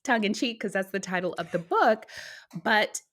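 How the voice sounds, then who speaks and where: A middle-aged woman, born in Guyana and raised in the US, guesting on a podcast and telling her life story in a casual, animated way. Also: medium pitch, moderate pace. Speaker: guest author. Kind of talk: conversational podcast interview.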